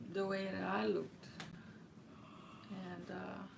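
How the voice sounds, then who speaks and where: A woman speaks with a Portuguese accent at a fairly slow pace. Room echo is audible. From Brazil. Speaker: YouTuber. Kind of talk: personal vlog. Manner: halting.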